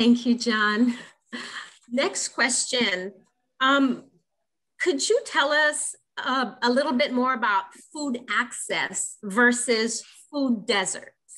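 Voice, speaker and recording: Against a quiet background, a woman with a Haitian accent speaks very slowly in a high, bright, sharp and warm voice, with ordinary pitch variation and long, frequent pauses. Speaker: Q&A moderator. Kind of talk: live Q&A moderation. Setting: video call. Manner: warm, laughs often. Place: home room. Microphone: video call.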